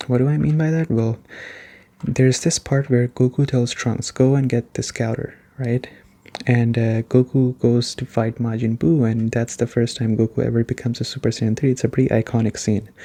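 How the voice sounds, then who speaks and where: Male game reviewer, ASMR style: gentle delivery, conversational, mid-pitched and warm-toned. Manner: soft-spoken, conversational. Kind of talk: soft-spoken ASMR game review, casual chat.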